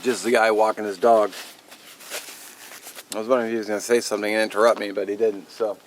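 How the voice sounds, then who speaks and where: A man's voice: lowish voice, flat delivery, fast, a little hiss or hum. A man hosting a challenge video, chatting casually to viewers. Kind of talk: casual vlog chat. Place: outdoors.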